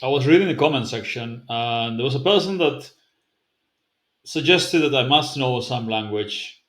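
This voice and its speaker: Male vlogger, loose musing delivery, mid pitch, echoey room. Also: fairly bright tone. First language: Basque. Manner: conversational, musing, loose explanations. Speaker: language-learning vlogger. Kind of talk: casual vlog, thinking aloud to camera. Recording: roomy echoing room.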